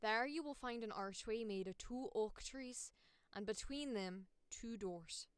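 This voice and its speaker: A woman voicing a solemn, mystical female guide from a fantasy quest, with measured, portentous delivery. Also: a little high, smooth, no echo, lightly acted.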